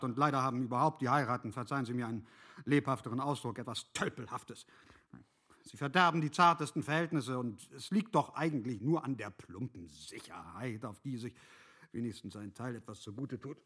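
An actor playing a worldly, cynical count in a German literary radio drama, speaking in polished, courtly phrases. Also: male voice, medium pitch, moderate pace, bright, forceful tone, slightly rough. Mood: mocking, animated. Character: urbane aristocratic count, worldly, cynical about marriage.

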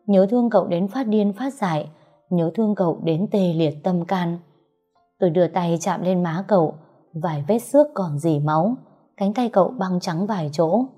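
A woman narrating an emotional first-person love story in a soft, heartfelt way. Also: on the low side. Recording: slightly muffled, soft background music.

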